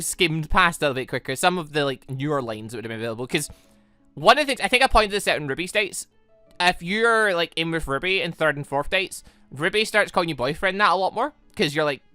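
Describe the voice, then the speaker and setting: Casting: gaming host, bright forceful delivery, casual rambling commentary, dry close sound over music. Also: medium pitch, dry recording. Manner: chatty, rambling, self-correcting. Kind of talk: casual let's-play commentary.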